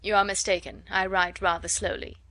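A woman voicing a proud, reserved gentleman who answers curtly and reasons coolly. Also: medium pitch, flat delivery, no echo, close to an everyday voice. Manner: curt, measured, coolly reasoning.

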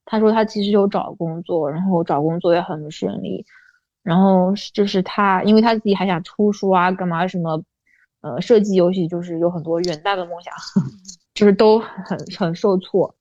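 A woman's voice: lowish voice, fairly even intonation, moderate pace, a little mellow, no room sound. Woman guest recounting, dull dry recording. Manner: frequently asks "you know?", drops English words. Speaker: podcast guest. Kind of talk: candid personal storytelling.

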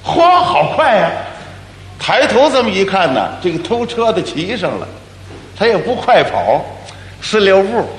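A man telling a solo comic story in a lively, wry manner. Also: sits high, normal speed. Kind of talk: solo crosstalk monologue. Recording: echoey hall, faint noise.

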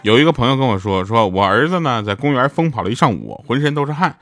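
Male comic host, playful and self-mocking, laughs through lines, mid-pitched voice, background music bed under him. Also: lively intonation, quick pace. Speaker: podcast host. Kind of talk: comedic podcast monologue.

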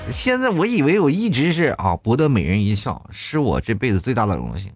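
Chatty man with a lively voice. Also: mid-range voice, a little fast, no echo, studio quality, faint music behind. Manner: chatty, acts out quoted lines loudly. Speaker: streamer reading viewer comments. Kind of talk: casual chat.

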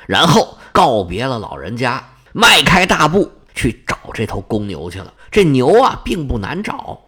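A man's voice: medium pitch, huge pitch swings, unhurried, pushed and bright, slightly rough. A male storyteller animatedly retelling a myth, full of vivid sound words. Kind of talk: oral storytelling of myths.

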